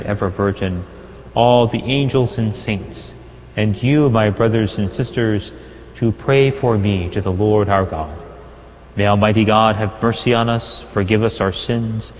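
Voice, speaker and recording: A man acting as priest, reciting the prayers of the Mass in a measured, solemn cadence, his voice echoing like a cathedral in a chapel. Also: fairly low pitch. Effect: long cathedral-like reverb of a chapel. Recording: reverberant chapel with faint hum.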